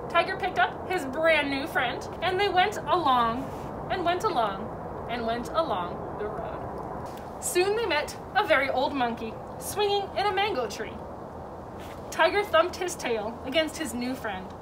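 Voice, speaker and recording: A woman's voice: high voice, expressive, a little slow. A woman reading a children's storybook aloud as an educator at story time. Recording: distant mic with clear background noise.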